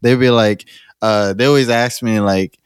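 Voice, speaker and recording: A man's voice: mid-range voice, fairly even intonation, normal speed, smooth, dry recording, clean studio sound. Laid-back man laughing through chat. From United States. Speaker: podcast co-host. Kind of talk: casual chat.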